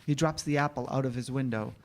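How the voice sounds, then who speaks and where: A man's voice: mid-range voice, fast talker. A man narrating the scene directions at a staged reading of a screenplay.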